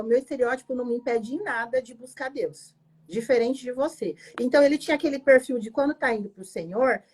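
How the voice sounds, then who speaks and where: A woman's voice: high-pitched, darkish tone, breathy edge. A woman pastor tells her personal testimony in an emotional, emphatic way, often adding "né?". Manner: emotional, emphatic storytelling with frequent "né?".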